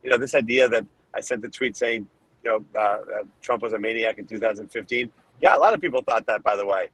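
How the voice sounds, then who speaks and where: A man from Colombia, a political candidate answering interview questions in emphatic, rapid-fire lists of points. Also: lowish voice, a bit bright, husky, rough recording. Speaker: Senate candidate, guest.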